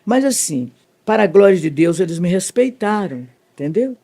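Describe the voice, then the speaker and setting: Middle-aged woman, emotional church testimony guest, lively and expressive. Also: normal speed. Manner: animated, swings widely in pitch, leans on "né" tag questions. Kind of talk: emotional faith testimony storytelling.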